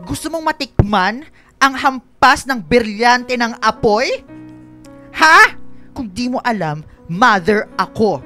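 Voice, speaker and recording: A man's voice: very high-pitched, pushed and bright, heavily acted. A man acting a campy, dramatic young gay Filipino man in a radio drama, sassy and theatrical. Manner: sassy, theatrical, shrieking when flustered.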